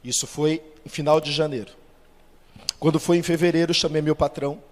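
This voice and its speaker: A man with a Brazilian Portuguese accent tells a personal testimony in a slightly high voice. He speaks as a preacher, acting out each quoted person. A long reverb from a large hall trails every phrase. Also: flat delivery, brisk. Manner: storytelling, acts out quoted dialogue with shifts of pitch and loudness. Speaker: Catholic lay preacher. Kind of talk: spoken testimony.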